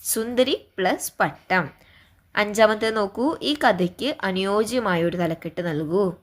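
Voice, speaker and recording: A woman's voice: mid-range voice, unhurried. A woman teaching young pupils a lesson, reading a story aloud and patiently going through the questions. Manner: gentle, patient, calls pupils "children". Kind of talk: primary school lesson.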